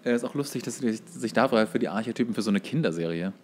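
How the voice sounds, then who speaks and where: A man co-hosting a podcast in casual conversation, often halting as he searches for words. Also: lowish voice, animated, a little mellow, slight background noise. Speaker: podcast co-host. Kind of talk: casual podcast chat about cartoons.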